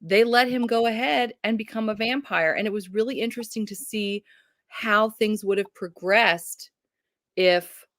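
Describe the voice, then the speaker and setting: A woman's voice: mid-range voice, normal speed, a bit bright, no echo, clean studio sound. A woman hosting a casual book chat over a video call, upbeat and chatty, laughing often. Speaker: booktube host.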